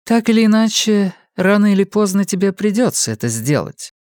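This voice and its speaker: A stern older mother with a prim, scolding voice, pitched up high, put on by a male narrator. She speaks crisply and sharply in an audiobook reading. The recording is close and dry. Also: sing-song, normal speed, a little mellow, no echo. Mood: disapproving. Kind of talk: audiobook character voice.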